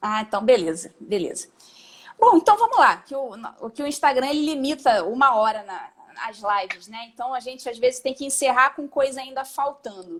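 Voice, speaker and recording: With lively intonation and big swings in loudness, a woman speaks at a moderate pace and a high pitch. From Rio de Janeiro. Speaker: live stream host. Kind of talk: casual chat. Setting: Instagram live video.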